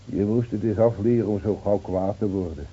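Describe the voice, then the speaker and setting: An actor playing a placid, wry, world-weary village gendarme reasoning soothingly in a radio play. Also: male voice, lowish voice, steady tone, a little fast, noisy background, lightly acted. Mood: calm, chiding. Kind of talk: Dutch radio play acting. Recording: dull, muffled old radio recording.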